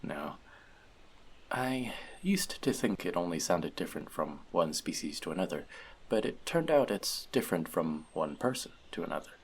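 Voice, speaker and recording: Elf magic mentor male actor for fantasy audio drama: gentle and teasing, gravelly, very expressive intonation. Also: low voice, normal speed, heavily acted. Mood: reflective, gentle. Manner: conversational, teasing, reflective. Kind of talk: fantasy audio roleplay addressed to the listener.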